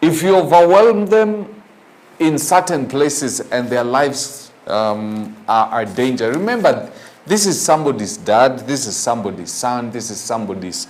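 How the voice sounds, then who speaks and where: A man with a Kenyan accent hosting a morning show, reading news in a halting, opinionated way with rhetorical questions. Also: mid-range voice, lively intonation, a little mellow. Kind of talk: newspaper review with off-the-cuff opinion.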